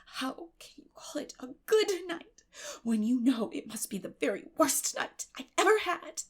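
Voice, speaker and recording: A woman's voice: sits high, sing-song, a little slow, voice pushed up, heavily acted. Woman voicing a wistful, dramatic orphan girl. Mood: reproachful. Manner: earnest, reproachful, theatrical.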